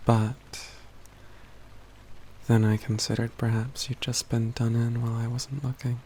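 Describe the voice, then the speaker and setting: A man's voice: mid-range voice, level tone, dark tone, slight background noise, natural voice. A man playing a composed, learned mage companion in a fantasy ASMR roleplay, speaking in formal, old-fashioned phrasing with a dry, teasing wit. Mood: wry, thoughtful. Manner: measured, formal old-fashioned wording, dryly wry.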